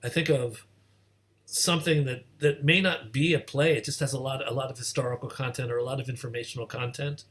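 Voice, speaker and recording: A man's voice: mid-range voice, steady tone, brisk, a bit bright. A man hosting an informal discussion, hesitant and self-deprecating, repeating words as he thinks aloud. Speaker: host moderating a panel discussion. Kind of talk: informal interview conversation.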